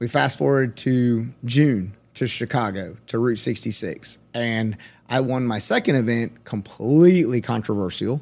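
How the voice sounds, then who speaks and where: Fairly slow in pace, this is a normal speaking voice with an American accent. Pitch variation is ordinary. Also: man, medium pitch for a man. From North Carolina. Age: 40s. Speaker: drag racer and TV host. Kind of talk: casual interview conversation.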